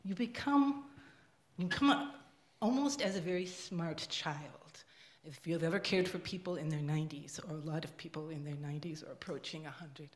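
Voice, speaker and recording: A woman's voice: sits low, normal speed. Older woman speaking out, echoey hall. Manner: emphatic, grows louder and forceful. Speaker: audience member at panel. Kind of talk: impassioned public comment. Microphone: handheld microphone passed in audience. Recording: echoey room.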